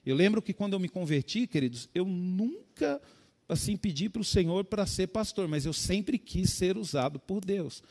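A man with a Brazilian Portuguese accent preaching a sermon as pastor, his voice swinging from soft storytelling to sudden loud, high calls. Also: animated, normal speed. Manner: preaching with sudden rises in pitch and volume, addressing "queridos".

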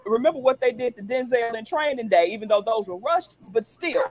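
A woman's voice: on the high side, expressive, fairly quick, darkish tone, dry recording. A woman co-hosting a casual sports talk show, laughing and emphatic, drawing words out for effect. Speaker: co-host.

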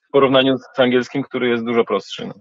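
A man's voice: mid-range voice, fairly even intonation, quick pace, no echo, lo-fi sound. A man, a rapper, answering interview questions in a reflective, colloquial way.

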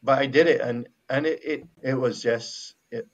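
Reflective and halting, a Barbadian missionary guest talks casually about faith in a Bajan accent, restarting many times. His medium-pitched voice holds a steady tone, though the recording's high frequencies are cut off.

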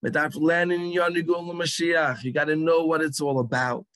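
A man from England with an English accent, speaking at a religious gathering and telling a story with dramatic pauses. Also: a little high, no room sound. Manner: animated storyteller, acts out lines with dramatic pauses.

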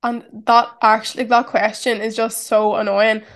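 A woman's voice: fairly high pitch, level tone, normal speed, a bit bright. A woman in her twenties with a strong Irish accent, talking through a casual, reflective solo podcast and saying "like" often. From Ireland. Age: 20s. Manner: chatty, reflective, heavy use of "like". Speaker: podcast host.

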